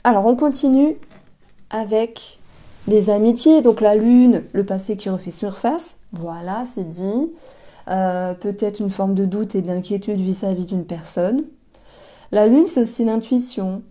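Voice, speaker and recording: A woman's voice: mid-range voice, a little slow, dark tone. A woman giving a casual tarot reading to camera. She talks in a chatty, hesitant way, thinking aloud and speaking straight to her viewers. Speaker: tarot card reader.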